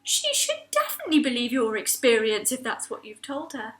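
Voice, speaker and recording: A woman voicing a kind, gentle octopus who speaks softly and soothingly. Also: fairly high pitch, wildly swooping pitch. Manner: soft, slow and soothing.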